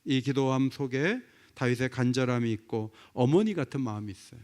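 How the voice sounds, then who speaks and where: A man over fifty preaching a sermon in a church, emphatic, moving from quiet asides to loud, rising exhortation. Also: mid-range voice, brisk. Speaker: pastor. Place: church sanctuary.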